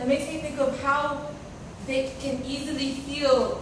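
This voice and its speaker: The speech goes at a fairly slow pace, with audible room echo and noticeable background noise. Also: woman. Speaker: Toastmasters club member. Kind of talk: roast speech, comedic toast at a birthday. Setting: stage with audience. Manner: playful, teasing, with laughing pauses; deadpan mock-sincere, humble tribute. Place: meeting room. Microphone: camera far.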